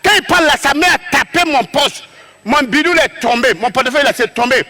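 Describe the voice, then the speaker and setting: A Togolese stand-up comedian with a West African French accent performs an animated comic story on stage at a fairly quick pace, acting out scenes and swinging between shouts and low asides.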